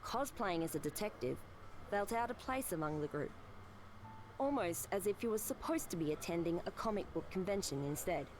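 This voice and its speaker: A woman's voice: lowish voice, lively intonation, moderate pace, slight background noise, close to an everyday voice. A woman acting a dramatic, playful narrator of a visual novel game. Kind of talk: theatrical scripted narration.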